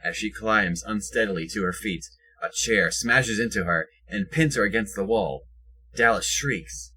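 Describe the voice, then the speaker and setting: A man's voice: lowish voice, measured pace, pushed and bright, husky. A man reading scripted present-tense action narration for an audio drama.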